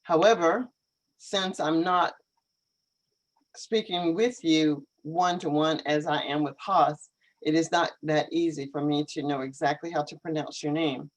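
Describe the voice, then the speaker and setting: A woman hosting a live online English lesson, speaking carefully and encouragingly with clear articulation. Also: low voice, steady tone, unhurried, rough recording.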